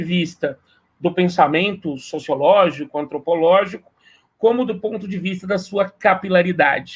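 A man's high voice at a moderate pace. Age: 50s. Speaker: anthropology professor. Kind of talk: academic panel talk.

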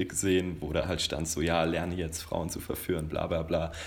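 A man with a very deep, low pitch speaks amid audible room echo. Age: 20s. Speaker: dating and self-development coach. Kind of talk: interview.

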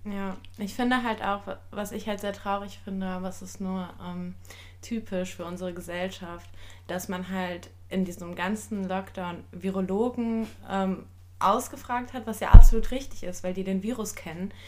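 Speaking at a fairly slow pace, a woman has a medium pitch and fairly even intonation. Audible room echo surrounds her voice. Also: big swings in loudness. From Germany, Turkish family. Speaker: podcast co-host. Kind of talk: casual chat.

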